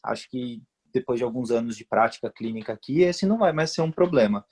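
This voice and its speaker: Husky man, halting speech. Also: medium pitch, a little mellow. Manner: hesitant, halting restarts. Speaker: medical resident. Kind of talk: casual podcast chat.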